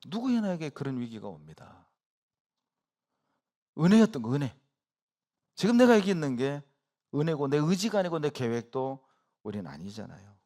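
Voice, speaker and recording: A middle-aged man preaching a sermon as pastor, telling stories with sudden loud bursts and hushed asides. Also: a little high, sing-song, moderate pace, pauses often. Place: church sanctuary.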